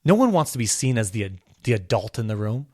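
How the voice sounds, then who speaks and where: A man hosting his own podcast, talking with impassioned energy, his voice a little hoarse from a cold. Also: very animated, fairly quick, a little mellow, dry recording, studio quality. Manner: impassioned ranting, pitch climbing when worked up. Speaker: podcast host. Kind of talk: solo podcast commentary.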